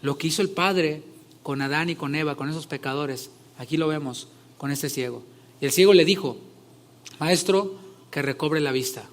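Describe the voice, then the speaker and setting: Male pastor, fairly high voice, conversational sermon with emphatic swells. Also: normal speed. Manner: conversational, rising loud when retelling scripture scenes.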